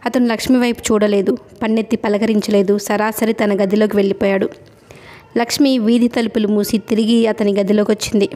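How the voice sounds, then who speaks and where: Mellow-voiced woman narrating a story. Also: mid-range voice, level tone, a little fast. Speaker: audiobook narrator. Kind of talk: scripted narration of a novel.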